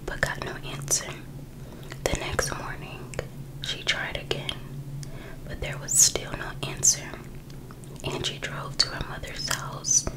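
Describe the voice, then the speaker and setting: A woman reading a book aloud for ASMR in a breathy, unvoiced whisper, pausing between short phrases. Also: poor audio. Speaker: ASMR creator.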